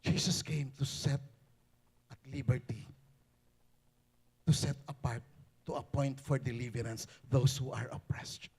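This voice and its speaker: A male pastor preaching a sermon, switching between Tagalog and English with animated, rising emphasis. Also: mid-range voice, takes it slowly, pauses often, husky.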